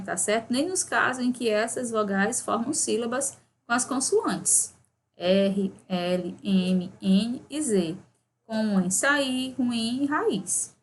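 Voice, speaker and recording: A woman with a Brazilian Portuguese accent teaches a seventh-grade grammar lesson, reading exercises aloud. Her voice is fairly high, and she keeps checking in with frequent "né?" tags.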